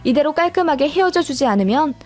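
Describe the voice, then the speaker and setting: A woman's voice: high-pitched, expressive, fast talker, darkish tone, faint music behind. A woman reading a first-person radio story in a plain storytelling manner. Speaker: story narrator. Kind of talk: scripted narration of a radio story.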